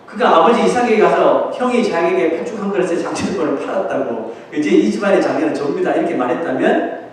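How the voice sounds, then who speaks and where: A pastor preaches from a church hall, his high voice ringing with heavy echo. He is picked up from a distance, with a faint hiss underneath. He tells the story with animation and acts out the voices of its people. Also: quick pace. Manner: animated storytelling, acting out quoted voices with laughs. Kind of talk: sermon. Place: church sanctuary.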